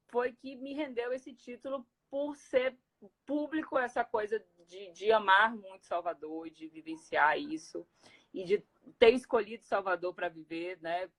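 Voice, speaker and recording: Woman, from Recife, guest speaker, casual live chat, animated, laughing, restarts. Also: mid-range voice. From Recife, Brazil.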